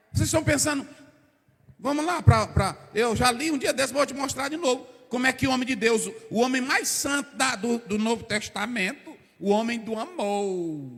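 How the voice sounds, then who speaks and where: A pastor preaching a lively sermon, acting out the people in his stories with bursts of shouting. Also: extremely high pitch, creaky. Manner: animated storytelling, acting out characters, shouting bursts. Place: church hall. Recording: long church hall reverb.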